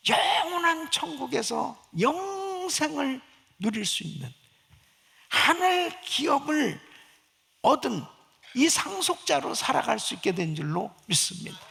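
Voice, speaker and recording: Man, pastor, fervent sermon, rough husky voice, rhetorical questions to the congregation. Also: very high-pitched, fairly bright tone. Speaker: senior pastor. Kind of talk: Sunday sermon.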